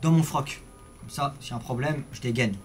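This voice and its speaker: A young man commentating a horror game live, swinging from startled yells to hushed muttering, full of slang. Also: medium pitch, a little fast, soft background music. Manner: French street slang. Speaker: gaming youtuber.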